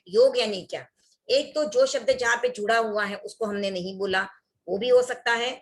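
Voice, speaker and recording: A woman's voice: medium pitch, a bit bright. A woman teaching an online religious workshop, explaining recitation mistakes and reciting scripture passages as examples.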